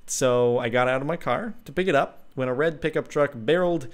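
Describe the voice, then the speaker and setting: A man's voice: medium pitch, fairly quick. A young man hosting his channel, reading a fan story aloud with casual jokey asides and many ums. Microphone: desk mic at laptop.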